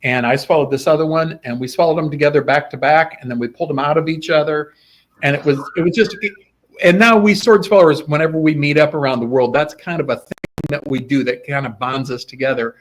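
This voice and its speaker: A middle-aged man with a somewhat high voice, speaking as a guest in a relaxed interview. He tells stories with animation and slips into the voices of the people he quotes. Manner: animated, acts out quoted dialogue. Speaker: guest, sword swallower. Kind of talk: casual interview storytelling.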